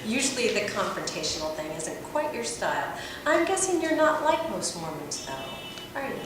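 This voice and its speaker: A woman's voice: mid-range voice, very animated, moderate pace, lightly acted. A woman playing a brash, sardonic adult-film producer and agent in a script read aloud, with a wry, teasing, theatrical manner. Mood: amused, needling. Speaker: actor at a table read. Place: echoey room at a table read. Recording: distant mic in echoey, noisy room.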